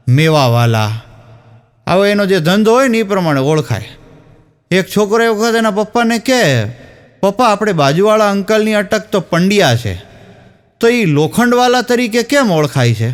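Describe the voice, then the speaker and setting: A man's voice: sits high, expressive, normal speed, pauses often, clear, resonant tone. A man telling a string of jokes on stage, acting out the lines of each character as he goes. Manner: storytelling, acting out dialogue. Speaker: stand-up comedian. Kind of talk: telling jokes to a live audience.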